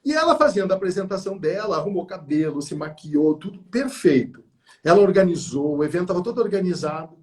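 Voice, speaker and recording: Casting: high-pitched man, effusive interview host who acts out anecdotes. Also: lively intonation, fast, a little mellow. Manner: effusive, acts out quoted voices with big pitch jumps. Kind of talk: enthusiastic interview chat.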